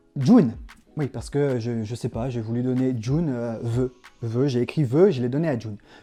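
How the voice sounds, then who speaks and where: Music in the background behind a man at medium pitch, with ordinary pitch variation and a moderate pace. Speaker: tattoo artist and YouTuber. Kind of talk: casual vlog storytelling.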